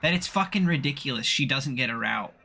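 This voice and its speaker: Bright-voiced man bantering while he plays. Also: medium pitch, expressive, brisk, creaky. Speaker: player and co-host of a gaming let's play series. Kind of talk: casual commentary while playing, bantering with a friend.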